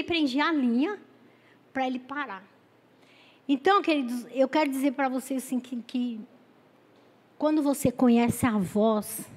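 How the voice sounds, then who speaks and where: A middle-aged Brazilian woman preaching a sermon and telling a personal story, halting and repeating words as she calls her listeners brothers. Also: high-pitched, darkish tone. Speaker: lay preacher. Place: church hall. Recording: echoey church hall.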